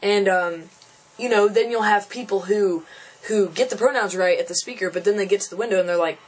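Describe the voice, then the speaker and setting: Frustrated and thinking aloud, a young trans vlogger vents casually to camera, often restarting sentences and repeating phrases. His voice sits high and moves fairly quickly, and the recording is rough.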